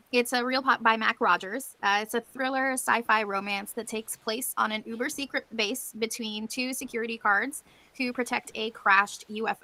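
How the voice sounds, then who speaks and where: A woman's voice: fairly high pitch, sharp tone. A woman giving an informal conference presentation as a panelist, explaining things in a conversational way.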